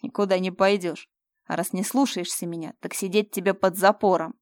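A woman voicing a cruel, domineering young man who shouts threats. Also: fairly low pitch, fast, no echo, lightly acted. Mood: furious.

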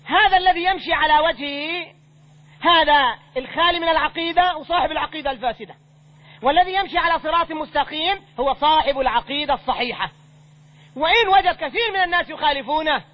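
High-voiced sheikh teaching. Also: male voice, quick pace, dull audio. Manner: explains recited verses line by line in colloquial speech. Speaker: sheikh teaching a creed text. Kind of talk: religious lesson.

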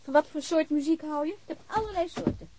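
A woman's voice: sits high, fast, noisy background, natural voice. An actress playing a frank, inquisitive woman in a naturalistic radio drama, talking informally and probing with short questions. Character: frank, inquisitive woman hosting a guest at home.

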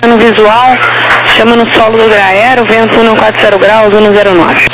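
A man's voice: high-pitched, level tone, normal speed. A man giving terse tower instructions over aviation radio, in procedural phrasing. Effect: radio transmission. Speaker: tower air traffic controller. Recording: very noisy radio with mains hum.

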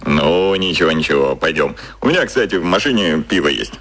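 A man's voice: very deep voice, big pitch swings, a little fast, a bit bright, heavily acted. A male actor in a radio drama playing an imposing businessman who talks in a curt, familiar, bossy way. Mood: bluff, familiar. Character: imposing, brusque, patronising businessman, a man.

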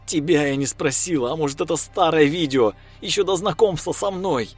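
A man voicing a young woman who is heartbroken and angry, with a high, strained delivery. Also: brisk, breathy edge, soft background music. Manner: high, strained pleading and shouting. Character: young woman, tearful then panicked and angry.

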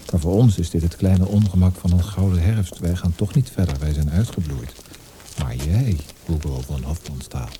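A man's voice: low-pitched, mellow, a little hiss or hum, natural voice. An actor playing a world-weary poet looking back on his youth in a reflective, literary radio drama monologue.

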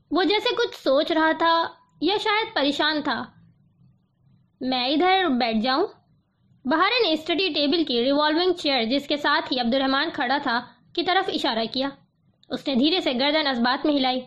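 Woman reading a novel out loud, steady and measured, high voice, bit of a dull lo-fi recording. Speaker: audiobook reader. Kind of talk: scripted novel narration.

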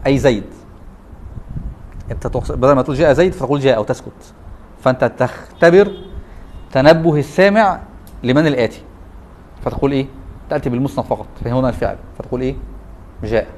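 A man's voice: mid-range voice, quick pace, pauses often, darkish tone, a little hiss or hum. A man with an Egyptian Arabic accent giving a classroom lecture, who keeps asking rhetorical questions to prompt his students. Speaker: teacher.

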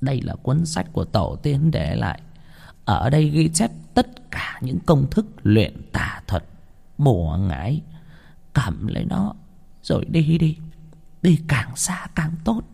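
A man's voice: medium pitch, sing-song, measured pace, vocal fry, dark tone, slightly rough, pitched above the performer's own voice, heavily acted. A man voicing a frail, hunched old grandmother who pleads and then shrieks in fury, in a ghost-story reading. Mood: grave urgent.

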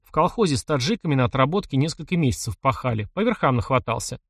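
A man's voice: medium pitch, animated, fast, fairly bright tone, dry recording. Guy reading an audiobook, wry and ironic, dry close recording. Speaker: audiobook narrator. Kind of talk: first-person audiobook narration.

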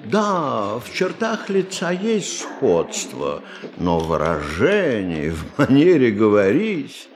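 A man acting in a radio play as a courteous, gently ironic banker, speaking in a polite, hesitant and deliberate way. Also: mid-range voice, wildly swooping pitch, crowd noise, full character voice.

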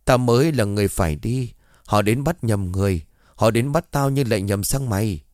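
A man's voice: fairly low pitch, a little fast, a little mellow, dry recording, studio quality, natural voice. A man voicing the ghost of a young man, the narrator's friend, who is frightened and resigned to his fate. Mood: grave.

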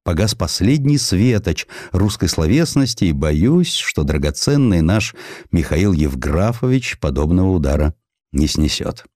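A man narrating a historical sketch in an expressive scripted style, with dramatic, deliberate phrasing. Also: sits low, dry recording, studio quality. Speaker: audiobook narrator.

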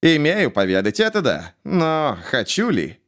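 A crazed storybook jester, acted by a man, cocky and unpredictable. He hisses and jumps into sudden high shouts, his pitch swinging widely. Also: wildly swooping pitch, unhurried, heavily acted. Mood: mocking. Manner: jumpy, hissing, bursts into shouts. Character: mad male jester, erratic, hissing, shouting.

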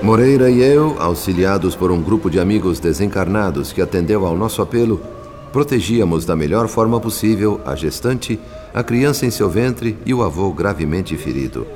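A man with a Brazilian accent narrating a radio soap as a solemn witness, grave, theatrical and measured. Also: sits low, animated, darkish tone, slight background noise. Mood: grave, wistful. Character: solemn male spirit narrator recounting a tragedy.

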